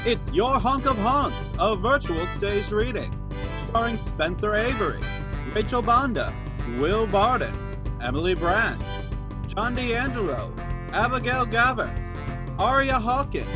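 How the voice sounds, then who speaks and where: A man announcing the show title and cast list in an announcer's manner. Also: high voice. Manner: slow, announcer-like. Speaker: announcer reading the credits. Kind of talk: announcer credits over music. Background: country guitar music.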